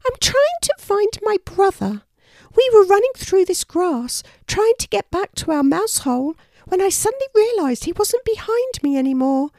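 A squeaky tiny mouse girl. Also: big pitch swings, normal speed, warm tone, no echo, full character voice. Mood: pleading. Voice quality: squeaky, high. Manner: storybook character voice, bossy then worried. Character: tiny squeaky female field mouse, anxious.

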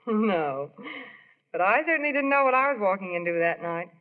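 Actress as a lively, tender young wife. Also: female voice, mid-range voice, brisk, lightly acted. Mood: wistful, tender. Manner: tender, teasing. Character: devoted, playful young wife of a baseball star. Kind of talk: 1940s radio acting. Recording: dull vintage 1940s radio recording.

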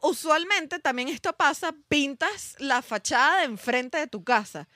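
A Venezuelan woman with a Venezuelan Spanish accent guests on a podcast, telling stories with animation and acting out quoted voices. Her voice is high and bright. The sound is dry and close. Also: expressive, measured pace, no echo. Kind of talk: casual storytelling chat.

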